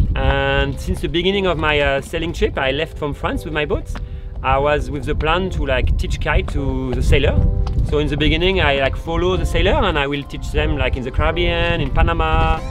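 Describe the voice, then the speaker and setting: Over clear music in the background, a man talks at a fairly quick pace, the sound dry with no echo. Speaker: kite school instructor. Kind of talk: interview answer. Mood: relaxed, content. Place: boat. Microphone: phone near.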